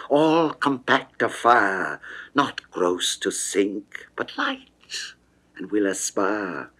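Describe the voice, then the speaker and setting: A man voicing an ardent, coaxing and imperious goddess of love in a theatrical classical verse reading from the 1960s. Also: medium pitch. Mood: vain, alluring. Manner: theatrical, caressing, drawn-out verse delivery. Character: seductive, lovesick goddess Venus, ardent, coaxing, imperious female.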